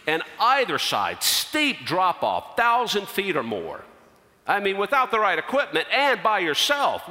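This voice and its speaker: Middle-aged guy preaching, story mode, fairly high bright voice, big echoey church. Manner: animated storyteller, drops low for emphasis. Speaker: pastor. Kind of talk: sermon storytelling. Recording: long hall reverb.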